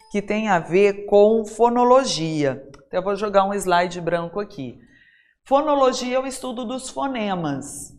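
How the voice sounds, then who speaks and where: A middle-aged Brazilian woman teaching an exam-prep language lesson, chatty, talking straight to her students and checking in with them often. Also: mid-range voice. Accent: Brazilian Portuguese. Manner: chatty, addresses students directly with frequent tag questions.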